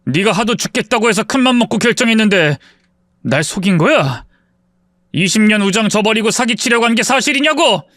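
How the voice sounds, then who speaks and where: A man voicing an earnest, soft-hearted husband who swings from anger at a friend to humble apology. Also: high-pitched, lively intonation, a little fast, dry recording, clean studio sound. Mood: angry. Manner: angry then humbly apologetic.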